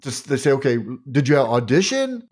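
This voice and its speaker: A man's voice: mid-range voice, big pitch swings, moderate pace, darkish tone, slightly rough. Man hosting a casual, rambling interview. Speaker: interview host. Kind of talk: casual chat.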